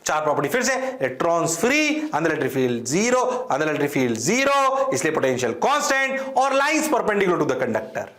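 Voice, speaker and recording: Indian man, physics lecturer, theatrical, high voice, classroom with echo. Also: sing-song, a little fast, few pauses, a bit bright. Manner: theatrical, answers his own questions in a student voice. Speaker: physics teacher.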